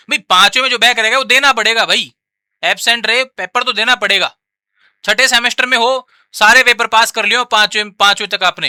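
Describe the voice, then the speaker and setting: A man's voice: high-pitched, pushed and bright, no room sound. A man explaining exam rules to students in an informal, repetitive way, often calling listeners brother. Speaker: education channel host.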